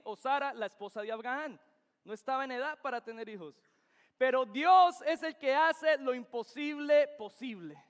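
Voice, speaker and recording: A young man from Venezuela, preaching an earnest, emphatic sermon that repeats key phrases. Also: extremely high pitch. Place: church sanctuary. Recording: reverberant church hall.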